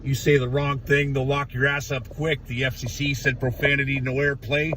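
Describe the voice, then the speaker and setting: A man with a raspy voice gone hoarse from days of yelling, ranting bluntly and profanely on a casual livestream from inside his truck. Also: mid-range voice, level tone, moderate pace, far from the mic, background noise. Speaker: livestreamer at a protest. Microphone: phone.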